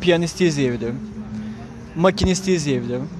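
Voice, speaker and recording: A man speaks with a fairly high pitch. Audible room echo and noticeable background noise surround his voice. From Bursa, Turkey. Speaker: podcast co-host. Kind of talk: casual chat.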